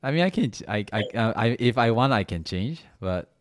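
A man's voice: mid-range voice, animated, a little fast, dry recording, clean studio sound. A young man from Malaysia hosting a podcast, chatting casually and rambling with many restarts and fillers. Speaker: podcast host. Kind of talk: casual chat.

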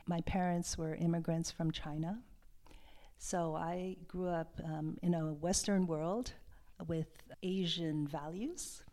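A woman from Hawaii, a love and sexuality coach, talking in a soft, hesitant and reflective way as an interview guest. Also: on the low side, steady tone, takes it slowly. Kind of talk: podcast interview.

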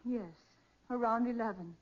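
Bereaved, faltering woman, played by an actress, slightly husky, 1940s radio mystery style, dull vintage sound. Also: a little high, normal speed, close to an everyday voice. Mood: subdued, hesitant. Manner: hesitant, plaintive. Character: bereaved, hesitant sister of a murdered man. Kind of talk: 1940s radio crime drama acting.

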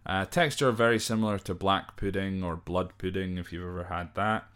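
A man's voice: low-pitched, fairly even intonation, normal speed, a bit bright, clear, resonant tone. A Scottish man informally explaining slang from a list, off the cuff and hesitantly, sometimes spelling words out. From Scotland. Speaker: podcast host.

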